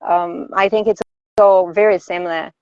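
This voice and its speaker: A woman's voice: fairly low pitch, fairly even intonation, moderate pace, a little mellow, dry recording, dull audio. A woman from Brazil, a voice actor, answering interview questions in a thoughtful, easy-going way. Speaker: voice actor guest. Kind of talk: live online interview.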